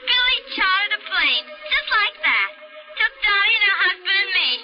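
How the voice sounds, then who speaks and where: Very high, chirpy radio-drama woman. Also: very animated, moderate pace. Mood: carefree, breezy. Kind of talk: old-time radio drama acting. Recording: muffled old radio broadcast with music.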